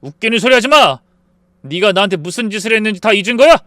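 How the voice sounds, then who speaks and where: A man's voice: sits high, animated, fast talker, no echo, clean studio sound, pitched above the performer's own voice. Man playing a stern, furious young husband. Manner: shouting, then heavy and resigned.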